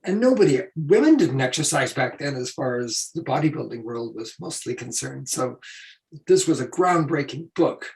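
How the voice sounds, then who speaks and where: A man illustrator telling stories on a panel, hoarse and losing his voice, speaking casually. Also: medium pitch, expressive, moderate pace, a little mellow, poor audio.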